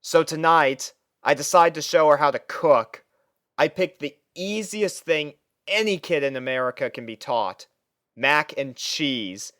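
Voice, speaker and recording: A man giving an expressive, dramatic first-person reading of a story as an exasperated student. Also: on the high side, measured pace, no echo, clean studio sound. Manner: expressive, theatrical delivery with sighs. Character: exasperated young male student narrating his life with a roommate. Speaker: fan fiction reader.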